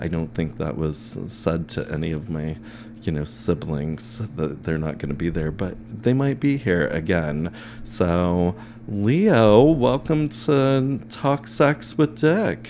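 A man's very slow voice with an American accent and very wide pitch swings, set against noticeable background noise. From Indiana. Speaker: podcast host. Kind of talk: casual interview chat.

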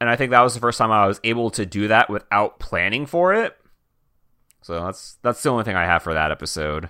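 On a very clean recording with a silent background, a man with a fairly low pitch speaks in a bright, sharp tone with lively intonation. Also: fairly quick pace. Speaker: game master and podcast host. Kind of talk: casual chat.

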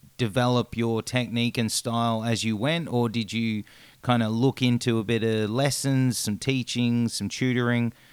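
A man with an ordinary speaking voice, medium pitch, fairly even intonation and moderate pace, in a very clean recording with a silent background. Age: 30s. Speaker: podcast host. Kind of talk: casual interview.

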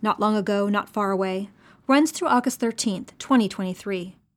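Pitched fairly high, a woman with a plain, everyday voice speaks at a moderate pace with lively intonation on a very clean recording with a silent background. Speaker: podcast presenter. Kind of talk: scripted narration. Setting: studio.

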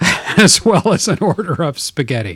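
This man's pitch swings very widely. There is a somewhat breathy quality to his voice. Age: 50s. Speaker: board wargame podcast host. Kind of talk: casual chat.

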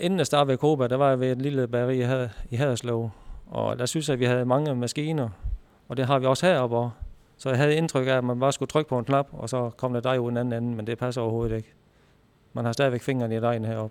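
Intonation stays fairly even for this man. He speaks at a very fast pace. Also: medium pitch for a man. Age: 50s. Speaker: baker. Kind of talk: guided tour explanation.

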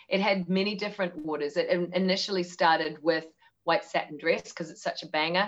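A fairly quick, fairly low-pitched woman's voice with a New Zealand accent and big swings in loudness. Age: 40s. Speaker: singer-songwriter and voice teacher. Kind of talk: casual chat. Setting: video call. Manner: fast; animated.

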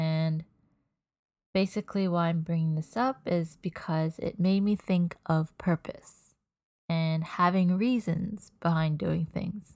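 Very slow in pace, a woman talks at a fairly low pitch with fairly even intonation. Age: 20s. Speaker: podcast host. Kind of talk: solo podcast monologue, casual. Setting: at home in bed, self-recorded. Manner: not a big talker, halting.

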